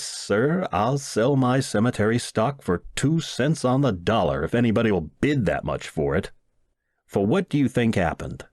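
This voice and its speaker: A man's voice: mid-range voice, darkish tone, no echo, studio quality. A man reading a humorous first-person short story aloud in the manner of a wry storyteller. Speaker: audiobook reader.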